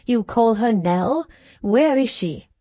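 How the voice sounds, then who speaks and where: A woman reading an audiobook, voicing an impetuous, bossy older gentleman who talks in abrupt commands. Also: high-pitched, animated, normal speed, dry recording, pitched above the performer's own voice. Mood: urgent. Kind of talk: audiobook character voice.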